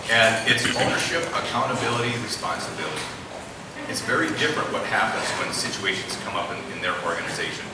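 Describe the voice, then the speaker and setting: A man's voice: lowish voice, lively intonation, quick pace. Guy doing a live author talk at a reading, really echoey and noisy, talks straight to the crowd. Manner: rhetorical questions to listeners. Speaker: author and radio host giving a reading. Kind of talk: public talk and book reading to a live audience. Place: cafe reading event, live audience. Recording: very echoey, noisy room from far off.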